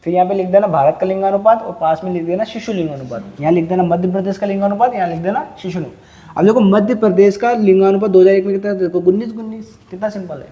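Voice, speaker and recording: A man's voice: high-pitched, fast, mellow, lo-fi sound. A man teaching a classroom lecture, quizzing students and drilling numbers through repetition.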